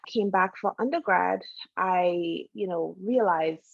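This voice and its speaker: Podcast guest: gravelly-voiced woman from Trinidad, chatty and loose, dry muffled sound. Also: lowish voice, takes it slowly, dry recording. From Trinidad and Tobago. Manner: chatty, many "you know" fillers. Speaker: guest, doctor and founder. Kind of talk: casual interview conversation.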